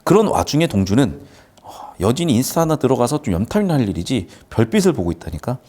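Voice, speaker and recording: A Korean literature tutor gives a classroom lecture on a screenplay, talking fast at a medium pitch. He's lively and jokey, casually explaining the script and playfully performing the characters' lines.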